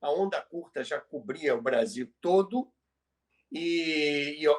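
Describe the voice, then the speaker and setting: Higher-pitched Brazilian man, emphatic talker. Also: lively intonation, slow. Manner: emphatic, repeats phrases for emphasis. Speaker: podcast co-host. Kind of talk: conversational radio history commentary.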